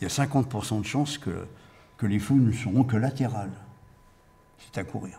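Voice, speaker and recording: A man speaks in a dark, mellow tone that is somewhat breathy, with audible room echo around him. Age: 80s+. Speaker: war veteran, former resistance fighter and deportee. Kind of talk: testimony to school students. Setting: school classroom with students. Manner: halting, frequent repetitions.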